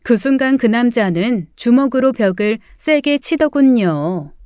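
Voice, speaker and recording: A woman narrating a first-person audiobook story in a steady, calm way. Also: on the high side, unhurried, smooth, dry recording, clean studio sound.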